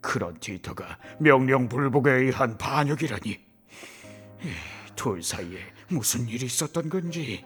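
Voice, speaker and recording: A man speaks fairly slowly in a put-on character voice at a medium pitch. Faint music plays in the background. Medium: audio drama. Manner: soft, confiding.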